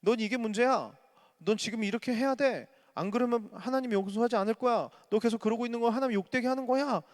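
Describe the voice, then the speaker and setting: A man's voice: very high voice, quick pace, long reverb tail, pitched above the performer's own voice. A man voicing self-righteous friends who nag a sufferer to admit his sin. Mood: accusing. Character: three self-righteous accusing friends, men.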